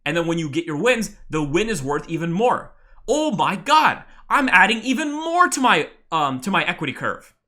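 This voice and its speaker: A trading mentor teaching a live webinar, excitable and profane, often bursting into loud exclamations. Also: medium pitch, normal speed.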